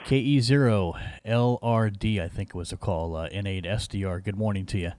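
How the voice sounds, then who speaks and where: Low-voiced male ham radio operator, faint hiss. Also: moderate pace, darkish tone. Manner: repetitive phonetic call-sign delivery. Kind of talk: ham radio calls and casual contact.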